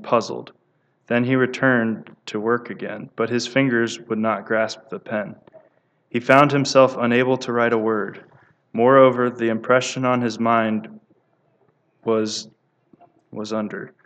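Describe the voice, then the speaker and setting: Reading prayer stories aloud at a steady pace, a man delivers a devotional talk with small stumbles and restarts. His voice is medium-pitched and a little slow.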